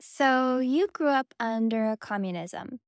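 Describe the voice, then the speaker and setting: A woman interviewer with a fairly high voice asks curious, casual questions and jumps quickly to follow-ups. Her sound is dry and close to the mic. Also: animated, smooth, no room sound. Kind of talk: conversational interview.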